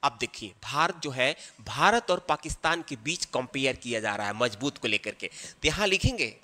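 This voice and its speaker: A man's voice: medium pitch, animated, moderate pace, pushed and bright. A man teaching an English grammar lesson. He explains patiently step by step and keeps checking that the listener is following. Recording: long reverb.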